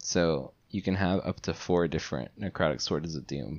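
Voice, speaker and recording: This man has a very deep, low pitch with vocal fry. His moderate pace carries lively intonation. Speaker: podcast co-host. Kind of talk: casual chat.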